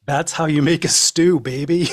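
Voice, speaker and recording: A man's voice: on the high side, fairly even intonation, moderate pace. A man with a slight Boston accent co-hosting a casual chat, joking dryly and swearing now and then. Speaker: co-host.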